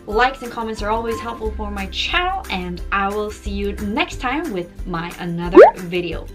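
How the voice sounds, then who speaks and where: A woman's voice: medium pitch, moderate pace, music in the background. A young woman from South Korea with a Korean accent, teaching slang words in an upbeat lesson and repeating each term for practice. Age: young adult. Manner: bubbly, repeats words for practice, expressive hand gestures. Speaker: Korean language teacher and YouTuber. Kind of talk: upbeat vlog-style language lesson. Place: small indoor room in front of a plain wall. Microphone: camera framed at chest height.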